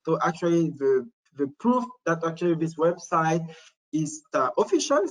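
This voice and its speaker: A man with a fairly high voice presents a webinar, clicking through a website as he explains it. He speaks English as a second language and often restarts his sentences and fills gaps with "uh". He sounds like he is talking at a computer indoors. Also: expressive, poor audio. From Morocco. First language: not English. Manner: halting, many restarts and fillers. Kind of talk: screen-share demo talk.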